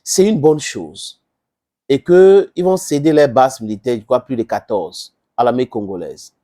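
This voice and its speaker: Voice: mid-range voice, measured pace, mellow. A commentator from Southern Cameroon with a Cameroonian accent and English as first language, giving impassioned informal political commentary with emphatic repetition and rhetorical questions. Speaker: political commentator addressing viewers.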